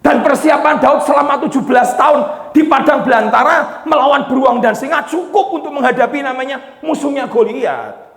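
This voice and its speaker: High gravelly pastor guy preaching loud and dramatic, big reverby church. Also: moderate pace. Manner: dramatic preaching, acting out voices, shouting. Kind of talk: sermon. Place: church hall. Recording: echoey, reverberant hall.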